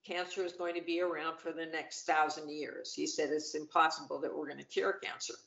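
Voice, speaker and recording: A woman's voice: sits low, flat delivery, a little fast, vocal fry, fairly bright tone. A middle-aged woman chatting on a video call, upbeat and talkative, with many fillers and restarts. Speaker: panel guest. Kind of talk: casual video-call chat. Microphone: video call webcam. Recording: roomy, dull webcam audio.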